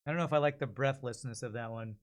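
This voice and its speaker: A man's voice: mid-range voice, fast talker. A man chatting casually as a streamer, thinking aloud to his viewers. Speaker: streamer practicing voice-over.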